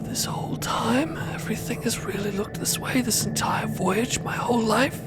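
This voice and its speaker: A performer voicing an awestruck, overwhelmed granddaughter, with hushed and breathy wonder in an audio drama. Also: mid-range voice, normal speed, whispered, over loud music, pitched above the performer's own voice, close to an everyday voice. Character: Dot, tearful awestruck granddaughter overwhelmed by first sight.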